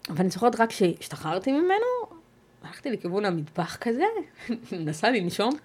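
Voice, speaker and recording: A woman, a guest on an interview podcast, recounting a personal ordeal in a measured, halting way, pausing and restarting as she goes. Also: mid-range voice, sing-song, darkish tone, slightly rough.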